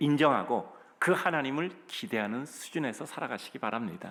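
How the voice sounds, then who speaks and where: The man's voice has a bright, sharp tone. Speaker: senior pastor. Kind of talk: sermon. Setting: church.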